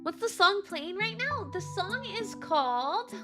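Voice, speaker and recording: High, lively woman streamer. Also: a little slow, over music. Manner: excitable, swinging between loud squeals and soft mumbles. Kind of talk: casual live-stream chat.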